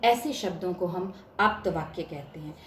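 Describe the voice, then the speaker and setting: A woman's voice: fairly low pitch, moderate pace, fairly bright tone. Woman lecturing in an echoey room. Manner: explanatory, stresses words to show examples. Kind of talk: academic lecture. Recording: echoey room with faint hiss.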